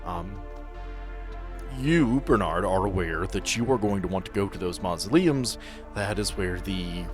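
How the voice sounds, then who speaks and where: A man acting as game master, describing and explaining a tabletop game scene in an improvised way. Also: low voice.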